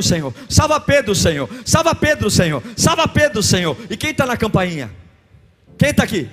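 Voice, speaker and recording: A Brazilian man preaching with a strikingly high voice, swinging between near-whispered hush and fervent shouting. Soft music plays behind him. His delivery is theatrical, building each point to a cry. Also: slightly rough. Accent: Brazilian Portuguese. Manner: dramatic, swings from hushed murmurs to shouting. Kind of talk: sermon.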